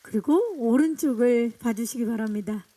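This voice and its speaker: A woman emcees a press screening in an upbeat, guiding manner. She cues guests through their photo poses and introduces each one in turn. Her voice sits high but has a mellow, soft tone. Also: normal speed. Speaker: event host.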